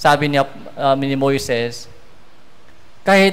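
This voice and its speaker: With ordinary pitch variation, the voice proceeds at a very slow pace. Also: man. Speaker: sermon preacher. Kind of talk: sermon. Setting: church. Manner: earnest, teacherly, repeats key phrases and leads congregation in reading aloud. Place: church.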